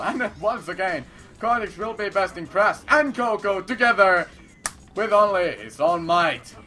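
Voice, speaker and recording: A man with a high, bright voice gives slow, rambling let's-play commentary, playful and full of repeated phrases. He is not a native English speaker, and he now and then bursts into loud, theatrical declarations. Faint game music plays behind him. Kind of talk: casual gameplay commentary.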